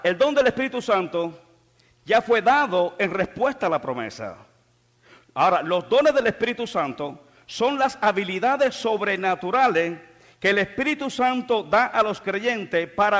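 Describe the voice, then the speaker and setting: Male pastor, high-pitched, fervent sermon delivery, church hall echo. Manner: fervent preaching, rising to shouts when excited. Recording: long church hall reverb.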